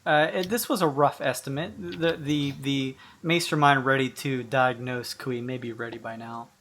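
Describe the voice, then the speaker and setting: A man's voice: medium pitch, normal speed, fairly bright tone, slight background noise. A man narrating a tabletop game as game master, in hesitant, improvised phrasing.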